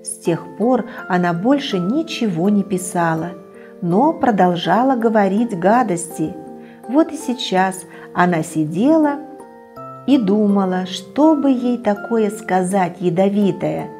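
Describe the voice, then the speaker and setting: Middle-aged female storyteller, gentle and expressive, studio read with faint music. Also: mid-range voice, a little slow. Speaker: children's TV storyteller. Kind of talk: reading a bedtime story aloud. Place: indoor TV studio set, children's room.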